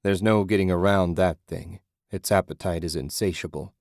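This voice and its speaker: A calm, grim blind man leading strangers through the tunnels, done by a male narrator. His voice is deep and matter-of-fact. The recording is dry and close. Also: moderate pace, creaky, no echo.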